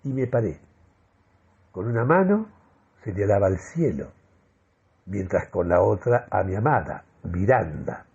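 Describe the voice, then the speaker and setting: A man's voice: on the low side, expressive, measured pace, creaky, pauses often, a little mellow, breathy edge, highs cut off. A man performing a comic first-person radio monologue in a theatrical, mock-solemn manner. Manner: dramatic, mock-solemn delivery.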